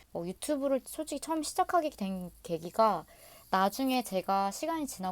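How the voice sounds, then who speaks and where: A woman's voice swings very widely in pitch on a very clean recording with a silent background. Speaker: vlogger, office worker abroad. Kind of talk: casual Q&A vlog talk. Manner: hesitant with frequent fillers.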